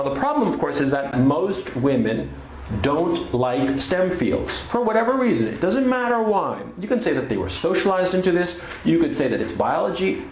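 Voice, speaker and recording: A man's voice: high voice, darkish tone, roomy sound, a little hiss or hum, rough recording. A man from Chile delivering a blunt, sarcastic opinion monologue with coarse language. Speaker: political commentator.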